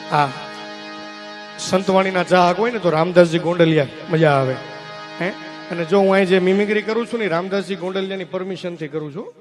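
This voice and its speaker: A young man doing folk stand-up storytelling on a stage mic, lively and acting out each character in turn. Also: high-pitched, a little fast, faint music behind. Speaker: stand-up comedian.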